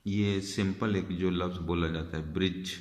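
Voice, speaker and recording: A man's voice: low voice, fairly even intonation, normal speed. A man teaching an English spelling lesson, patiently explaining step by step and spelling words out letter by letter. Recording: echoey room with long reverb.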